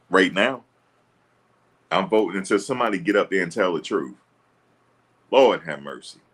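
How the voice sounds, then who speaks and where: A man with a very low, deep voice talks straight into his streaming mic. He answers his chat bluntly and sounds sure of himself, assertive and ready to push back. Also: a bit bright. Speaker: livestream host. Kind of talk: livestream commentary answering chat. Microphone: streaming setup.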